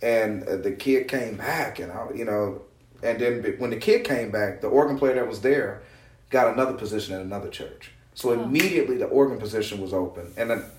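A man talks at a fairly quick pace. The room gives off an audible echo. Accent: American. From US Midwest (East Chicago, Indiana), later West Virginia. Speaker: touring keyboard player. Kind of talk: casual interview chat.

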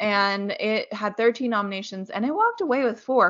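A woman's fairly high-pitched voice at a moderate pace, an ordinary speaking voice. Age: 20s. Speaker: podcast co-host. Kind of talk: casual chat.

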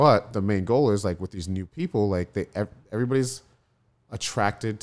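A man with an ordinary speaking voice and ordinary pitch variation on a very clean recording with a silent background. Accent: American. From Florida. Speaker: bartender. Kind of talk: casual chat.

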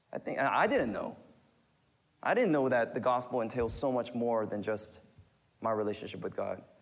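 Audible room echo is in this recording. A man speaks in an American accent. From Korean American community, US. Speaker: guest preacher. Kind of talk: sermon. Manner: hesitant with many fillers.

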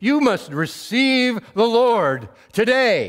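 The man uses a put-on character voice pitched extremely high. His pace is very slow. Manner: preachy, persuasive.

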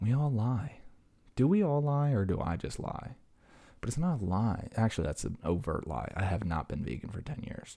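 This man's voice sits at a medium pitch and has a dark, mellow tone. His pitch swings very widely, and his tone is relaxed. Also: moderate pace. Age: 30s. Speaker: podcast host. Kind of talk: casual solo monologue. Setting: home recording room. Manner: relaxed, conversational.

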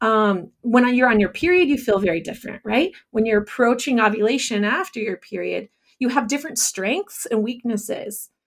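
A woman with an American accent and an unremarkable speaking voice talks at a fairly quick pace with lively intonation. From Northern California. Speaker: fertility care practitioner and doula. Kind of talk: interview.

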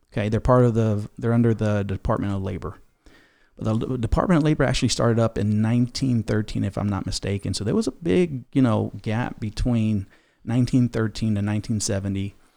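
With an American accent, a man talks at a fairly quick pace in a dark, mellow tone, his pitch fairly low with ordinary variation. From US South, Atlanta area, Georgia. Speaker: construction safety professional. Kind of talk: interview conversation. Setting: dining room.

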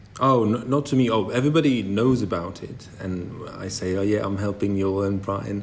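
A man with a fairly low pitch and ordinary pitch variation talks at a moderate pace, with audible room echo and noticeable background noise. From Czech Republic, Prague. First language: Czech. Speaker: arbitration lawyer and podcast editor. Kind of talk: casual chat. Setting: video call.

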